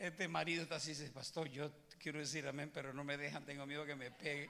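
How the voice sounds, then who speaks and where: With audible room echo, a man speaks fairly quickly in a fairly high, bright and sharp tone. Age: 70s. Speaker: guest preacher. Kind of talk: sermon. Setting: church. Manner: animated.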